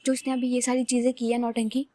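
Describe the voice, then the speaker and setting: A woman's voice: on the high side, level tone, fast talker, mellow, close to an everyday voice. Woman voicing Eshani, hot-tempered lovestruck girl. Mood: impatient. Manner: blunt, impatient, insistent. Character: hot-tempered possessive young woman in love.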